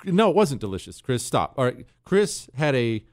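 A man hosts a talk radio show from a studio mic. His pitch swings widely as he rants in mock outrage. He teases a co-host in a blustering, playful way. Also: normal speed. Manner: animated, ranting, mock-outraged, teasing a co-host. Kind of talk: opinionated talk radio monologue.

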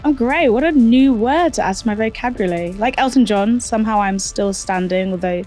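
Woman, croaky frog voice, casual chat, co-presenter, music behind. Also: fairly high pitch, fairly quick, darkish tone, rough recording.

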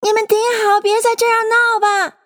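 A woman's voice: sits high, lively intonation, moderate pace, pitched above the performer's own voice. A woman voicing a curious, spirited young girl who talks to herself and scolds others. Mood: indignant. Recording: long hall reverb.

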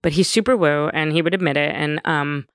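Candid, animated woman guest, smooth dry voice. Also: low-pitched, brisk, no room sound. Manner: candid, animated, joking, swears freely. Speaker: podcast guest, author. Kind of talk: casual conversation.

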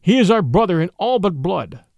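A man's voice: sits high, big pitch swings, vocal fry, darkish tone, no room sound, exaggerated voice. A man voicing an old, weary male wolf leader, proud and dignified, speaking solemnly in a storybook reading. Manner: solemn, measured, old-fashioned speech.

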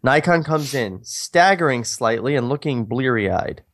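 Reading a screenplay aloud during casual podcast chat, this co-host speaks with self-deprecating humor and plenty of profanity. He has a mid-range voice with lively intonation and a slightly slow pace.

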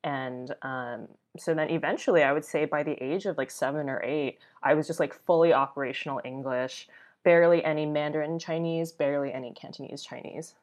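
Podcast guest: American woman, low register, chatty first-person storytelling with acted-out quotes. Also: a little fast, a little mellow. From Boston, United States. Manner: conversational, often uses "like", acts out quoted remarks. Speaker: podcast guest, travel blogger. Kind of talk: casual personal storytelling in interview.

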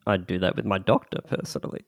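A man with a gravelly, creaky voice tosses off deadpan jokes. His pitch moves expressively within a mid range. He is recorded close and dry. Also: fast talker, no room sound. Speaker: podcast co-host. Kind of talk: casual comedy chat.

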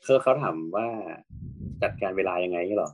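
A man's voice: sits low, animated, normal speed. A man co-hosting a podcast, talking in an easygoing, casual way. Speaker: podcast co-host. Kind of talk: casual chat among friends.

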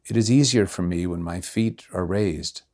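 A man doing a weak, dying gentleman. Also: low voice, normal speed. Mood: weary. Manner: weak, pleading. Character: gravely ill middle-aged gentleman, weak and helpless.

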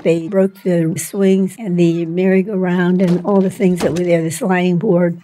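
Older woman recalling her childhood, slow and plain. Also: lowish voice, little pitch movement, noisy background. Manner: slow, plain storytelling with soft laughs. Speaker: interviewee. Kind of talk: oral history reminiscence.

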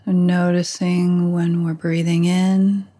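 A woman guides a meditation very slowly, leaving long pauses between gentle instructions. Her voice is soft-edged and mellow, with a breathy, husky grain. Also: on the low side, flat delivery. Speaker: meditation teacher.

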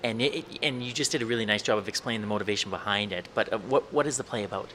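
A man's voice: on the low side, very fast, sharp tone, a little hiss or hum. A man hosting an interview, asking questions with frequent stumbling restarts. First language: English. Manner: stumbling repeated starts. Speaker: interviewer host. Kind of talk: conversational interview.

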